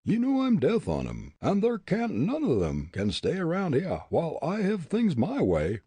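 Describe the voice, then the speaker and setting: A man voicing a loud, boastful backwoods ruffian who talks in a blustering drawl. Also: on the high side, huge pitch swings, normal speed, breathy edge, dry recording, voice pushed up, exaggerated voice.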